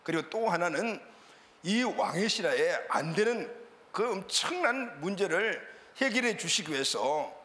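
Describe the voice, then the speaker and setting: A man preaching a sermon as pastor, animated and calling out for amens from the congregation. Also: high voice, a little slow. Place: church sanctuary. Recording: reverberant church hall.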